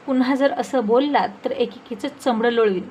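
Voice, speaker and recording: Woman playing a bullying hot-tempered husband, harsh threats, high-ish voice. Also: normal speed, a little mellow, a little hiss or hum, natural voice. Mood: angry.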